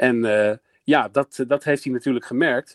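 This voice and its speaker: A man talks with fairly even intonation. The sound is dry and close with no echo, over a quiet background. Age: 40s. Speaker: music journalist and columnist. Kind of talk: casual chat. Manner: halting.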